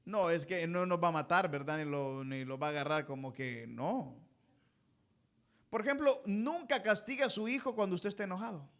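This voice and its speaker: A man's voice: sits high, expressive, normal speed, vocal fry, a bit bright. A man preaching a sermon as pastor. He talks emphatically to his congregation, calls them brothers and has them fill in the ends of his sentences. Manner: emphatic, addresses listeners as brothers.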